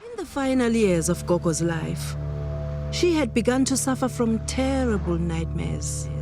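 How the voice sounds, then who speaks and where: An actress playing a grave granddaughter of healers, telling her story in a measured, emphatic way. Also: fairly high pitch, very animated, over music. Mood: solemn, mournful. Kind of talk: dramatic storytelling monologue.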